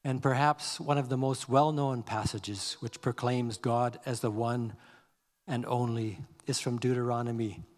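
A man delivers a sermon at a very unhurried pace, his voice at an ordinary middle pitch. He reads scripture with deliberate weight on key words. A long hall reverb trails behind each phrase. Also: fairly even intonation. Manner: slow, measured delivery, reading scripture aloud with deliberate emphasis. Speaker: pastor.

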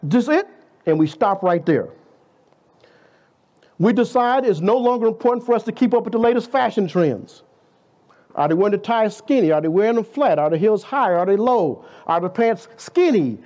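Guest preacher, man in his fifties, high tenor with a very animated delivery, conversational sermon style. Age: 50s. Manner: conversational preaching, rhetorical questions, playful asides.

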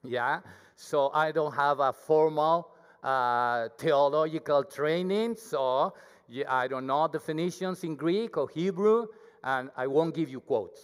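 A man with a thick Mexican accent preaches to a congregation in a humble, self-deprecating way, talking with them rather than at them. His voice sits a bit high for a man. The sound carries a long church-hall reverb. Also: a little slow, smooth. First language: Spanish. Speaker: guest preacher. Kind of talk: sermon.

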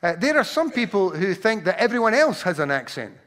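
A Scottish man with a Glaswegian accent delivers a sermon in a church hall. His voice sits a little high for a man, and he tells personal stories with frequent stumbles and restarts. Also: very animated, brisk, a bit bright. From Scotland. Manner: anecdotal storytelling with frequent restarts. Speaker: preacher.

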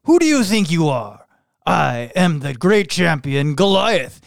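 A woman voicing a boastful giant male warrior, bellowing loud taunts in a story reading. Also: on the low side, big pitch swings, a little slow, gravelly, no echo, studio quality, heavily acted. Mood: taunting.

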